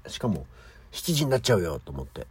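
A middle-aged man hosting his own morning show, chatting casually and with high energy as he tells a story alone. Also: sing-song, brisk, darkish tone, breathy edge. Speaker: podcast host. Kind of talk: casual solo morning talk.

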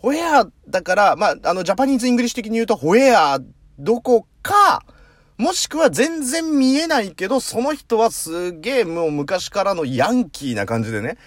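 A man hosting a casual solo talk show, telling a story in rough slang with playful self-mockery and sudden acted-out voices. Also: high-pitched, a little fast, no room sound. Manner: animated, jumps into acted-out voices. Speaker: podcast host.

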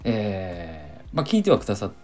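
Chatty low-voiced Kansai man. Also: huge pitch swings, moderate pace, faint music behind. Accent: Kansai Japanese. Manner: rambling, chatty storytelling with many fillers and soft chuckles. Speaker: podcast host. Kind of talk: casual solo podcast chat.

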